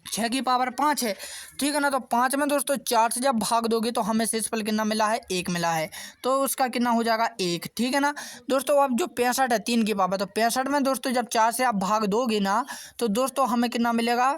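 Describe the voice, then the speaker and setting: This math tutor's voice is very high and a little fast, captured in a dry recording. He teaches exam preparation with steady patience, going step by step and constantly asking his viewers questions that he answers on his own.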